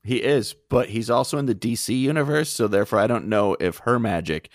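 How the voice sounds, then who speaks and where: A man's voice: medium pitch, brisk, dry recording, studio quality. A man co-hosting a podcast from his home, easygoing and nerdy, chatting casually and correcting details. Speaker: podcast co-host. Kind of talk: casual chat.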